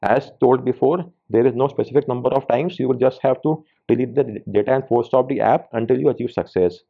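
A man's voice: medium pitch, a little fast, creaky. A man narrating a step-by-step tech tutorial, instructing viewers directly as the host. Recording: tinny phone-like band-limited sound.

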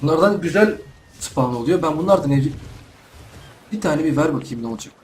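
A man's voice: on the high side, expressive, a little fast, darkish tone, a little hiss or hum. A young man giving casual let's play commentary from home, chatting to himself and the animals in the game. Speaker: gaming YouTuber.

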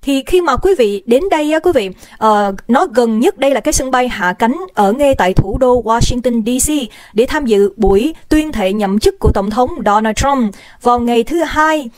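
A woman's voice: a little high, expressive, moderate pace, few pauses, a little mellow, dry recording. A woman hosting a casual livestream, chatty and bubbly, greeting viewers by name and mixing in English phrases. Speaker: livestream host. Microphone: desk microphone.

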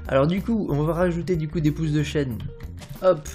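A man's voice: on the high side, fairly even intonation, normal speed, mellow. A young man narrates a Minecraft building tutorial in a casual, rambling, playful way, full of fillers and little "hop" sounds. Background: faint background music.

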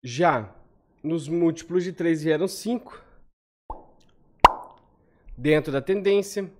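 A man in his thirties with a Brazilian accent, walking through lottery statistics on a spreadsheet in a casual, quick style and often ending phrases with a questioning "tá?". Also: a little high, heavy background noise. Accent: Brazilian Portuguese. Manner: quick, conversational, frequent "tá?" tag questions. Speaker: lottery analysis host. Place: home room, on webcam over screen share.

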